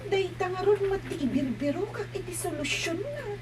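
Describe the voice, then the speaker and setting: A woman speaking in a slow, drawn-out way in an Ilocano audio drama. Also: extremely high pitch, lively intonation, noisy background.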